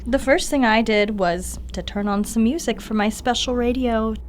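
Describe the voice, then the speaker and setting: Woman playing sweetly menacing, high-voiced ageless teenage girl. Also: background noise, lightly acted. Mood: coy, sinister. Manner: coy, musing, unhurried menace. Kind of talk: radio play acting. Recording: music bed under the voice.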